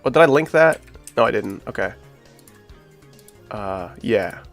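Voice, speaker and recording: A man's voice: lowish voice, expressive, measured pace, faint music behind. A man with a nasal voice from being sick, chatting casually to his live-stream viewers while he builds a game level. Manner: chatty, talks to chat while working.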